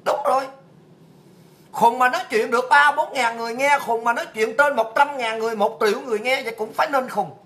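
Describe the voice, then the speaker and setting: With a fairly high, slightly bright voice and a fairly quick pace, a woman from Vietnam rants on her livestream show. The tirade is abusive and mocking, loaded with rhetorical questions.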